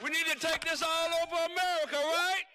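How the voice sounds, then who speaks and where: Southern drawl man, pastor and politician, very high voice, shouting repeated lines, noisy outdoor crowd. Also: steady tone, fairly quick. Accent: South Carolina Southern drawl. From South Carolina. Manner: preacher-like cadence, repeated phrases, shouted lines. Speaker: pastor and state legislator speaking at a rally. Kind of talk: rousing political rally speech. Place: outdoor rally in cold weather.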